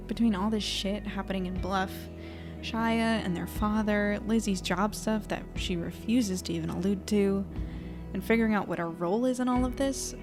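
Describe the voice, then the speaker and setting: A woman's voice: mid-range voice, lightly acted. A woman playing an anxious, self-mocking young reporter in an audio drama, talking in a wry, rambling, hesitant way. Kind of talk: audio drama acting, intimate diary monologue.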